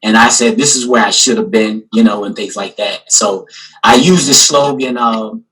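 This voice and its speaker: A man's voice: lowish voice, normal speed, a bit bright, breathy edge, rough recording. A man, an artist and guest curator, talking casually on a video call panel and filling his sentences with "you know". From Newport News, Virginia. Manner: rambling, many "you know" fillers.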